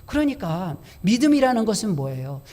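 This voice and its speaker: A man's voice: sits high, sing-song, brisk, dark tone. A male pastor giving an emphatic Sunday sermon and closing prayer, repeating his phrases. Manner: emphatic preaching, repeats phrases, mixes in English words. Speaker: senior pastor. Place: church sanctuary. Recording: long reverb in a church hall.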